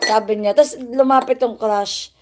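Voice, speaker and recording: A woman's voice: on the high side, fairly even intonation, moderate pace, heavy background noise. A playful, teasing woman from the Philippines chatting casually on a livestream, laughing often. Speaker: vlogger.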